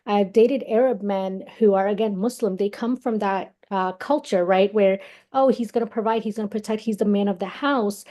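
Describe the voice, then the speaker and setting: Soft-voiced woman from Pakistan coaching. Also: medium pitch. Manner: measured, reflective, personal examples. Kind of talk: live webinar talk.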